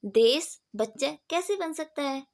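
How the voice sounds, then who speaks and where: A slow-witted village idler who keeps asking puzzled questions in a halting way, read aloud by a woman. The voice sits a little high. It is an everyday storybook reading rather than a full character voice. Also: expressive, darkish tone, exaggerated voice.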